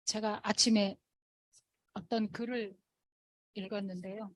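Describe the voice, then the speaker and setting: A woman giving a motivational storytelling talk at a sales meeting, acting out the people she quotes in a raised, animated voice. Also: mid-range voice, a little slow.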